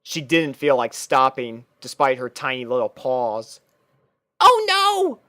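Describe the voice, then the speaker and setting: A man's voice: mid-range voice, steady tone, unhurried, a bit bright, dry recording, clean studio sound. A man reading fan fiction aloud as scripted, storybook-style narration.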